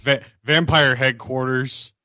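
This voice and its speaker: Male tabletop player, casual banter, punchy bright tone, dry slightly lo-fi sound. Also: mid-range voice, steady tone, slow pace, no room sound. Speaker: player in a tabletop game podcast.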